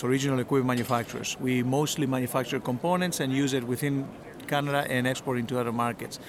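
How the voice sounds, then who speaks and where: A middle-aged man from Argentina answers interview questions in a measured, halting way, full of fillers and restarts. His voice sits in an ordinary middle register. A loud crowd murmurs behind him at what sounds like a busy event. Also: mid-range voice. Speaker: industry association representative.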